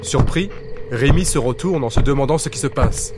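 A man telling a bedtime story in a lively, expressive reading voice. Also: medium pitch, moderate pace, very noisy.

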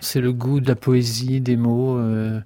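A man, a guest poet in a radio interview, speaking in a halting, thoughtful way and often repeating words. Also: mid-range voice, little pitch movement, dark tone, no echo, studio quality.

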